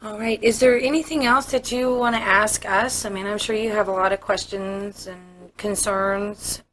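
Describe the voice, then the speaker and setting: A woman's voice: medium pitch, steady tone, moderate pace, a bit bright. An American woman, a police officer, explaining procedure to a suspect in a matter-of-fact interview manner. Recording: noisy interview room audio.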